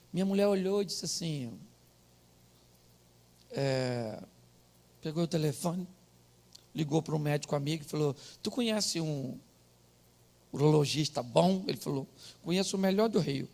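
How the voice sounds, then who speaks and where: A middle-aged Brazilian pastor tells a comic story during a sermon, murmuring asides and then shouting the punchlines. His male voice is fairly high-pitched and creaky.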